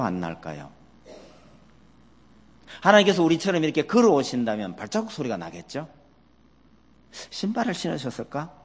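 A man's voice: medium pitch, breathy edge. A man preaching a sermon as a pastor, animatedly asking his congregation questions. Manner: asks the congregation many questions; animated, acts out quoted voices. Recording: long hall reverb.

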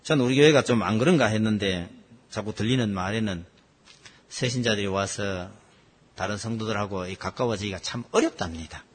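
A man preaching a sermon as pastor, asking the congregation questions and swinging between loud and soft. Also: fairly low pitch, a little fast, slightly rough. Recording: long hall reverb.

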